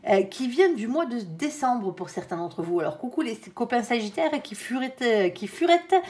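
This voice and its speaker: A woman's voice: a little high, big pitch swings, moderate pace, darkish tone. A tired woman giving a casual tarot reading, chatty with many fillers and some stumbling. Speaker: tarot reader.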